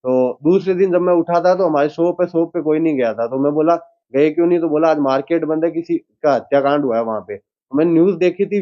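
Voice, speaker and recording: Young male witness, warm higher voice, plain halting retelling, dull lo-fi sound. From Rajasthan, India. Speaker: taxi driver and witness. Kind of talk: news interview account.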